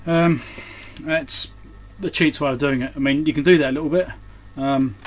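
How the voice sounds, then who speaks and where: Loud music plays behind a man with a fairly high, fairly even voice speaking at normal speed. An electronics repairer presenting his work, he mutters and thinks aloud at his workbench in casual, hands-on commentary, with clear background noise present.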